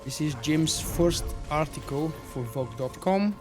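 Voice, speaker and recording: A man's voice: on the high side, lively intonation, unhurried. A man from Bulgaria with a heavy Bulgarian accent, chatting wryly in casual commentary over a video game. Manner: chatty and wry, with asides. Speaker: gaming video creator. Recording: voice over loud game music.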